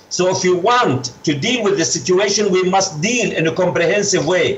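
The speaker talks with an Arabic accent and ordinary pitch variation. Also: man. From Gaza. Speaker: physician; guest. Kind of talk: talk to audience. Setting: phone call. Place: hall. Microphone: video call.

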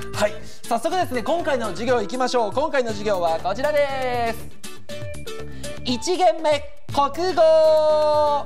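Clear music plays behind a man with an extremely high pitch who speaks at a fairly slow pace with lively intonation and long, frequent pauses. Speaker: TV presenter. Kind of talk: TV studio presenting. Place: studio. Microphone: lapel.

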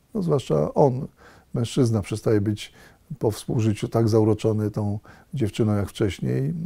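Against a quiet background, a man speaks at a fairly slow pace with lively intonation. His fairly low voice is somewhat breathy, with a dark, mellow tone. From Poland. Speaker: priest. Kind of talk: religious teaching talk. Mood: warm, earnest, smiling. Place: studio. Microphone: lapel.

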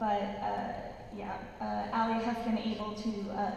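A woman talks in a room with strong echo and light background noise. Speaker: event host introducing author. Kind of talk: introduction speech. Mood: light, laughing. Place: hall. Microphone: pa.

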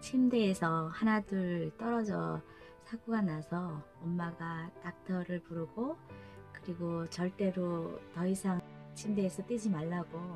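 Clear music plays behind a woman speaking at a moderate pace in a fairly low voice. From South Korea. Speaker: storyteller. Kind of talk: reading aloud; book introduction. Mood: warm, playful. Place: home room.

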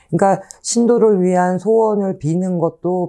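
A woman speaks at a very slow pace with a dark, mellow tone. The background is quiet. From South Korea. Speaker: shaman. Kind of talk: casual monologue. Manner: animated. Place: home room. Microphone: lapel.

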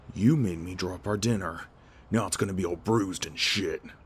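A put-on character voice delivers the lines at a fairly quick pace. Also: man, fairly low pitch for a man. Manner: taunting, hostile.

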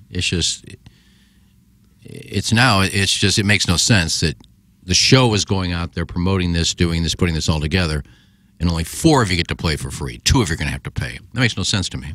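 A man talks at a fairly quick pace, his very deep, low voice showing vocal fry. The background is quiet. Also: lively intonation, dry sound with no echo. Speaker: sports radio co-host. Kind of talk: casual chat. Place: studio. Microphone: studio mic.

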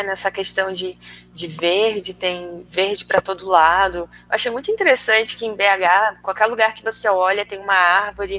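A woman speaks with a Rio de Janeiro accent in a bright, sharp tone. Her loudness swings widely. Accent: Carioca Brazilian Portuguese. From Rio de Janeiro, Brazil. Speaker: plant influencer. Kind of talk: interview. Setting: remote video call. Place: home room. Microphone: headset.

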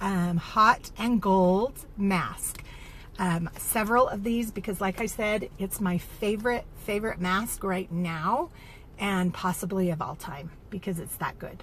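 A woman speaks at a fairly slow pace in a somewhat breathy voice. The sound is dry with no echo, over light background noise. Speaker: product seller. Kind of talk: casual live unboxing chat. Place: car. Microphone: phone near.

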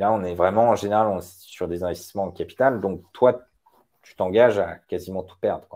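A man talks with a dark, mellow tone at a fairly low pitch. His intonation is fairly even, and the background is quiet. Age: 40s. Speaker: crypto investment lead. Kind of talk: interview. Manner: halting. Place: office. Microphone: video call.

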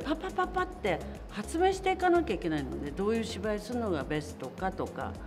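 Clear music sounds in the background as a woman speaks. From Japan. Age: 70s. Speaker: actress. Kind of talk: casual interview talk. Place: studio.

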